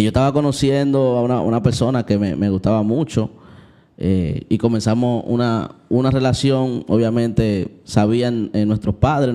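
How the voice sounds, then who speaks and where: A man's voice: medium pitch, dark tone. Candid young man. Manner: candid and confessional, talking straight to viewers; laughs at his own story, acts out the moments he tells. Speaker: Christian vlogger. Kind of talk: personal storytelling vlog.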